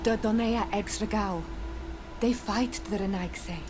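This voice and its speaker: A woman's voice: medium pitch, steady tone, measured pace, lightly acted. Earnest tribal woman voiced by an actress, noisy ambience. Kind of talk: scripted game dialogue acting.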